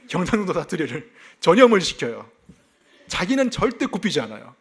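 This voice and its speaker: Pastor guy from south gyeongsang, faint gyeongsang accent, chatty sermon, kinda high voice, swings up and down a lot. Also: moderate pace, breathy edge. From South Gyeongsang, South Korea. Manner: lively, conversational preaching with self-deprecating laughs.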